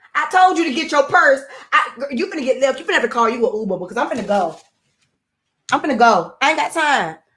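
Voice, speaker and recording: Very fast and in an American accent, the speaker's bright, sharp tone moves in very wide pitch swings. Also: woman, high pitch for a woman. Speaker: YouTube live show host. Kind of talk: casual livestream chat. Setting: live video stream. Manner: animated.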